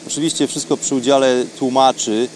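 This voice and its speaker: Man's halting spoken diary, faint background noise. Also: mid-range voice, fairly even intonation, poor audio. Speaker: radio programme host. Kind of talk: unscripted spoken travel diary monologue.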